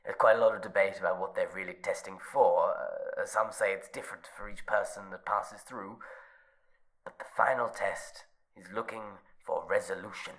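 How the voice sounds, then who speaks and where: A man's voice: low-pitched, steady tone, moderate pace, a bit bright. An actor playing a suave, mocking male overseer of a hotel test, silky and teasing, slipping into whispers in a horror audio drama.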